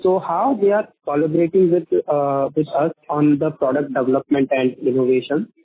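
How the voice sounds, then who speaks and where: Male analyst, slightly high husky voice, hesitant, polite, thin dry telephone sound. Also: steady tone, normal speed, no room sound. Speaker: analyst asking questions. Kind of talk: earnings call questions. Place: conference call by phone. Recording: narrow dry phone line.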